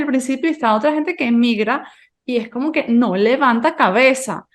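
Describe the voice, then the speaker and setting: Talking at a fairly quick pace, a woman uses lively intonation and a high pitch. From Venezuela. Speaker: podcast host, author. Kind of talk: podcast interview.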